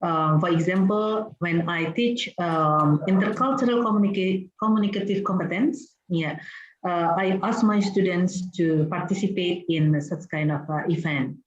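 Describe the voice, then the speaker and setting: A university lecturer on a video call, speaking hesitantly with many fillers and soft laughs. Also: medium pitch, normal speed, roomy sound, muffled recording. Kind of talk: online meeting discussion.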